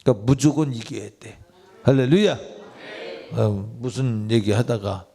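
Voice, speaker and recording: A man's voice: medium pitch, unhurried, warm tone. A man, a pastor, preaching a sermon in a church, with a conversational style and direct questions put to listeners. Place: church sanctuary.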